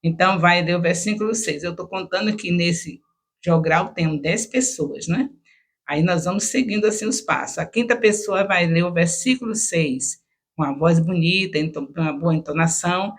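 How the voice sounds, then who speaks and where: A man with a high, light voice walks a church group through a choral Bible reading one step at a time. He repeats himself often, stops to correct his words, and then reads the verses out with more weight. He sounds like a patient Brazilian Portuguese teacher giving instructions. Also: normal speed, a bit bright. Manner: repetitive, step-by-step explaining with self-corrections. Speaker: discipleship teacher.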